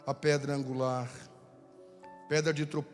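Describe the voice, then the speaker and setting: A man with a Brazilian Portuguese accent preaching a fervent Pentecostal sermon in a church, repeating phrases and rising to shouts. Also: medium pitch, flat delivery, a little slow. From southern Brazil. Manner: fervent, repetitive, rises to shouting. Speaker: pastor. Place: church sanctuary. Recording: church hall with long reverb, faint music.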